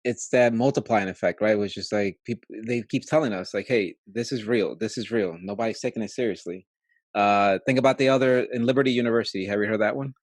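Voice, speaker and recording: A man's voice: fairly low pitch, dry recording, clean studio sound. A man in his late thirties hosting a podcast, chatty and easygoing as he interviews a guest. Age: late 30s. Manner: chatty, easygoing, quick to laugh. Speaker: podcast host. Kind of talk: casual interview.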